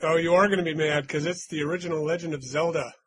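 A man running a podcast quiz show, reading out clues with a teasing, playful delivery and little humming jingles. His voice sits a touch high and has a husky edge. The sound is close and dry. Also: steady tone, fast talker, dry recording. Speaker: quiz host.

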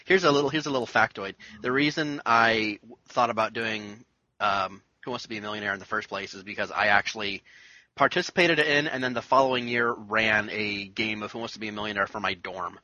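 Man with a bright, dry podcast voice. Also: on the low side, a little fast, dry recording, dull audio. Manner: rambling, repeats words as he starts sentences. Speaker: podcast co-host. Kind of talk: casual podcast chat.

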